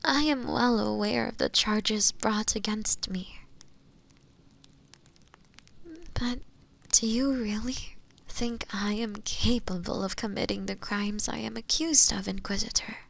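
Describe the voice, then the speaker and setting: Woman acting a slow-spoken, meek imprisoned witch. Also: medium pitch, fairly even intonation, rough recording. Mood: measured, questioning. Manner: halting, deferential, formal old-fashioned phrasing, often breathy and near-whispering. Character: meek, pleading imprisoned witch feigning frail innocence. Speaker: voice actor in an audio roleplay. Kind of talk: fantasy roleplay audio drama acting, addressing the listener.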